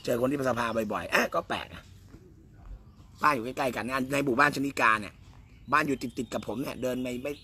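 A man's voice: medium pitch, fairly quick, sharp tone, a little hiss or hum. A man who sits in parliament, chatting casually on a live stream and answering viewer comments in a teasing, repetitive way with lots of polite particles. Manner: chatty, teasing, repeats himself, ends lines with polite particles. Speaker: member of parliament.

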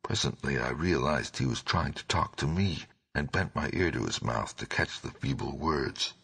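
Horror audiobook narrator: male, extremely deep, gravelly and husky, forceful edge. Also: animated, normal speed. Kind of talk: scripted horror story narration.

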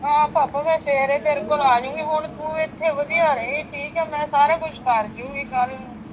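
A woman's voice: high-pitched, steady tone, normal speed, highs cut off, background noise. A middle-aged woman crying as she pleads on the phone with her elderly father. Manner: pleading, distraught. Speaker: daughter of the elderly man. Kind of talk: tearful phone call.

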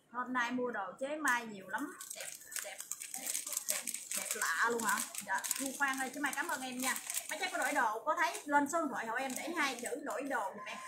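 A woman with a southern Vietnamese accent giving a chatty, repetitive livestream sales pitch as an online shop seller. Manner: chatty, repetitive, emphatic assurances. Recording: distant mic with loud background noise.

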